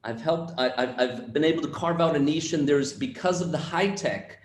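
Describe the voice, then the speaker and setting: A man with a Brooklyn Jewish accent, talking as an interview guest in a fairly high voice. He speaks in a measured, reflective way with a self-deprecating edge. His voice rings in an echoey room. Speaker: actor and guest. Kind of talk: conversational interview. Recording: roomy echo.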